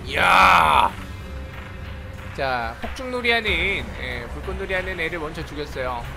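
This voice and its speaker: A man's voice: high voice, normal speed, music in the background. A man playing a horror game and commenting, greeting his viewers and yelping at sudden attacks. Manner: excitable, yelps and shouts at the game; chats with viewers. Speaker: game streamer. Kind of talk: Let's Play commentary.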